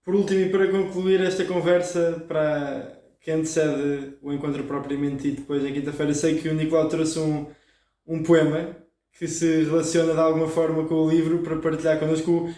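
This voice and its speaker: A man hosting a book club conversation, speaking haltingly and repeating words. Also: fairly high pitch, level tone, dark tone. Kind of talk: moderating a book discussion. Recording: echoey room, distant from mic.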